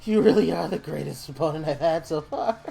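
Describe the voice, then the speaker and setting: A man's voice: a little high, animated, fairly quick, gravelly, warm tone, voice pushed up. A man voicing a bloodthirsty female swordswoman who delights in killing, speaking in a giddy, gleeful way.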